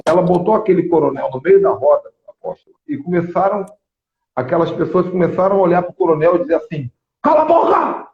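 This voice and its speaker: A man, apostle and host, telling stories in a lively live religious teaching talk. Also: fairly high pitch, quick pace, gravelly. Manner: animated storytelling, many restarts. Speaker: apostle and prophet, show host. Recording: echoey, phone-like thin sound.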